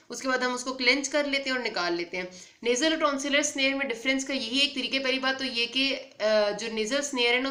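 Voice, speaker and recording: Bright woman explaining in an echoey room. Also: fairly high pitch. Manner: patient, repeats points, code-switches with English terms. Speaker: medical instructor. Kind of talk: explanatory lecture on instruments.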